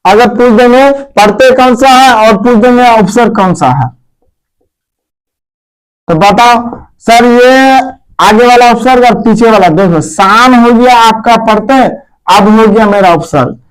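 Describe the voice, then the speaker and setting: A man's voice: very high voice, moderate pace, clear, resonant tone, low-quality recording. A man teaching a grammar lesson to pupils at a board, repeating key words and quizzing them. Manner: addresses pupils as "मेरे प्यारे बच्चों".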